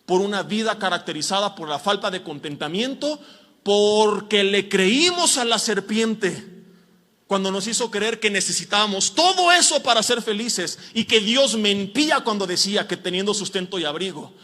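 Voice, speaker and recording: A male pastor with a Mexican Spanish accent preaches in a high, bright, ringing voice. He is animated, slipping into mocking impressions of the people he describes. His voice carries a long hall reverb. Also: normal speed. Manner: animated, mimics voices of tempters and complainers. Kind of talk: sermon.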